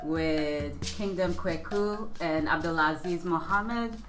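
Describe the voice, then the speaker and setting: Low-voiced, bright-toned woman host. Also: slow, soft background music, low-quality recording. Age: 30s. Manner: warm, laughs often, chatty. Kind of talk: casual interview.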